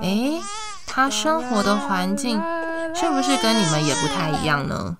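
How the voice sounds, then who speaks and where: Taiwanese woman reading to a toddler, music behind. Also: on the low side. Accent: Taiwanese Mandarin. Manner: reading to a toddler, sing-song with drawn-out words and questions to young listeners. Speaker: children's storytelling podcast host. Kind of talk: picture-book read-aloud for young children. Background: instrumental music.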